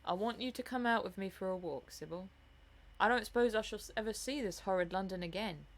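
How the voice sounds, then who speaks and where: A woman voicing a gruff, good-natured young working lad in an audiobook, with a blunt, grumbling manner. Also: mid-range voice, fairly quick, natural voice. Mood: good-natured grumble. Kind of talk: audiobook character voice.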